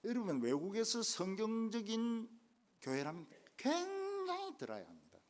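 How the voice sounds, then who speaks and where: An older man preaching a revival sermon as a guest pastor, jumping from loud exclamations to hushed asides. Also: sits high, normal speed. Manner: animated, swinging from loud exclamations to quiet asides. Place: church main sanctuary.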